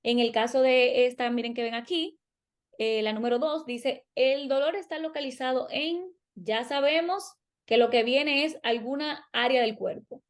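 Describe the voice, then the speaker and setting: Woman with a high voice walking viewers through test tips, talks straight to them, lots of examples. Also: moderate pace. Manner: instructive, addresses listeners directly with examples. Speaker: podcast co-host. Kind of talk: explaining exam strategy to viewers.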